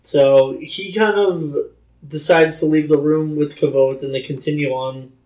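A man's voice: a little high, steady tone, a little slow, a little mellow, roomy sound, low-quality recording. A man co-hosting a casual book discussion, loose and enthusiastic, saying "like" often. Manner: loose, enthusiastic, heavy use of "like". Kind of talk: casual chat.

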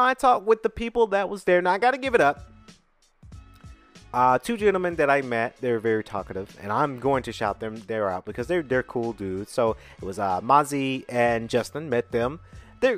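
A man's voice: medium pitch, lively intonation, normal speed, soft background music. A man in his twenties co-hosting a podcast, rambling casually, bluntly and with profanity, often asking "right?". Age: 20s. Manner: chatty, keeps asking "right?". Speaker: podcast co-host.

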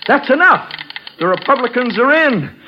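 A man acting an excited, folksy small-town supporter hailing a new president, in the style of 1940s radio drama. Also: extremely high pitch, moderate pace, a little hiss or hum. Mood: jubilant. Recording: dull old radio broadcast.

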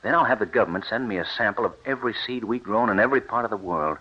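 An actor playing a determined wheat scientist who speaks in a driven, persuasive way, in an old radio drama. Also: male voice, lowish voice, rapid-fire, breathy edge. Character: determined wheat scientist husband, middle-aged man. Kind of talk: 1940s radio acting. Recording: dull lo-fi old radio recording.

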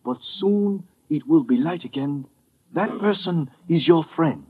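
A solemn old priest speaks in measured, cryptic pronouncements. The voice is husky and a little high, and the sound is that of a dull vintage radio play. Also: male voice, lively intonation. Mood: cryptic, instructing. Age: older. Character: serene, cryptic old Burmese mystic priest. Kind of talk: 1950s radio drama acting. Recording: muffled old radio recording.

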